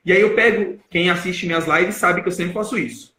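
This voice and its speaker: A young Brazilian man, a guest speaker on public speaking, explaining in a live-stream talk and shifting his emphasis and loudness to demonstrate. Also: high voice, fairly quick, reverberant, low-quality recording. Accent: Brazilian Portuguese.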